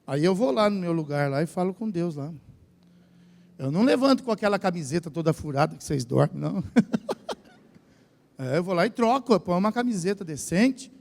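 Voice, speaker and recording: A Brazilian pastor preaching a sermon in an animated way, shouting at the peaks and slipping in joking asides, with a Brazilian Portuguese accent, recorded in a large church. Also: male voice, sits high, fairly quick, gravelly, pauses often. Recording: echoing church hall.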